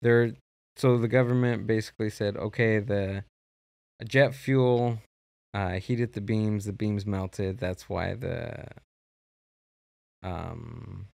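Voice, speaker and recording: Halting gravelly-voiced man hosting a podcast. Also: on the low side, steady tone, darkish tone, dry recording. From Mexico. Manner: rambling, halting, many restarts. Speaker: podcast host. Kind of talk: casual podcast chat. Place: podcast studio.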